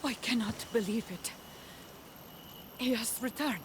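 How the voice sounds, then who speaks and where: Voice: mid-range voice, a little slow, noisy background, lightly acted. An actor playing a solemn, mystical tribal seer, grave and wary, with formal, weighty phrasing in a fantasy game. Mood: shaken, weary. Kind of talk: fantasy video game cutscene acting.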